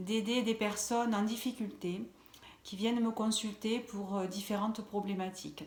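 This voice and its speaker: In a southern French accent, a woman speaks at a moderate pace and a fairly high pitch with fairly even intonation, amid noticeable background noise. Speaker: hypnotherapist. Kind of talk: recorded video self-introduction.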